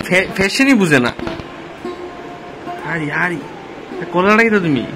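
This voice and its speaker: A man's voice: high-pitched, sing-song, normal speed, rough recording. A man with a Tripura Bengali accent in casual, teasing, colloquial banter. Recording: music clearly behind the voice.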